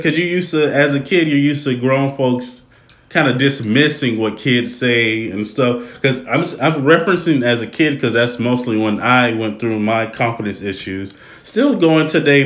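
A man with a Southern US accent talking casually as an interview guest, halting and correcting himself as he goes. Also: medium pitch, reverberant. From Louisiana, United States. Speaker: podcast guest.

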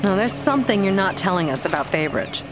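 Actress as earnest bookish woman, loud music. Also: mid-range voice, very animated, fast, natural voice, rough recording. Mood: suspicious. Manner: articulate, earnest, probing. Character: earnest, bookish female adventurer with strong principles. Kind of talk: audio drama dialogue.

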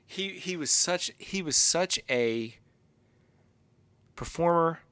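A man co-hosting a casual podcast chat, halting and emotional, his voice going hoarse. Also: fairly high pitch, expressive, a bit bright. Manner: halting, emotional, full of restarts. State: losing his voice. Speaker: podcast co-host.

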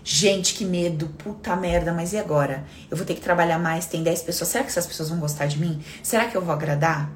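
A woman hosting a casual self-help live talk, animated and acting out inner voices, swearing casually. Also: on the low side, fairly quick, hardly any pauses, a little hiss or hum.

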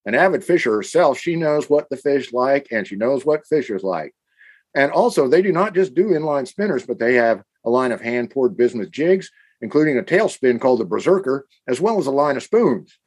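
Man from the midwest, eager podcast co-host, mid-pitched, scripted chat. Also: slightly rough. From American Midwest. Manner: enthusiastic, animated.

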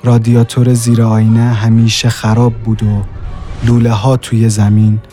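A man with a mid-range voice narrates a scripted horror tale. His reading is dramatic and builds suspense. Faint music plays quietly behind him. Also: mid-range voice, monotone. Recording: soft music bed behind the voice.

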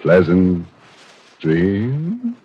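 A man's voice: low-pitched, huge pitch swings, extremely slow, very noisy, heavily acted. An American man playing a gleefully macabre, sardonic horror host in 1940s radio style, theatrical and fond of grim puns. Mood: macabre relish. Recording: dull vintage radio recording.

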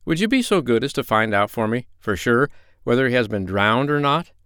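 A man voicing a kind, cheerful animal doctor in a storybook, speaking gently and reassuringly. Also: medium pitch, expressive, brisk, smooth, no echo, studio quality, lightly acted.

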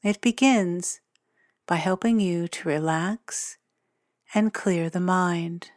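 A woman guiding a meditation in a gentle, soothing, unhurried way with long, measured pauses. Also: fairly low pitch, no room sound, studio quality. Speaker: meditation guide and podcast host. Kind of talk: guided meditation narration.

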